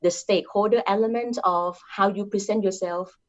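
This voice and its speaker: In dull-sounding audio, a Thai-accented woman from Thailand speaks at a moderate pace with a steady tone and mid-range pitch. As an interview guest she gives earnest career advice, often ending with "right?" and reinforcing ideas with tag questions.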